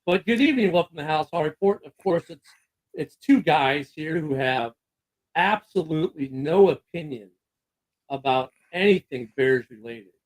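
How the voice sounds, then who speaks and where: A man's voice: on the high side, animated, moderate pace. A man co-hosting a casual sports chat show, talking loosely with fillers and laughs. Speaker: podcast co-host.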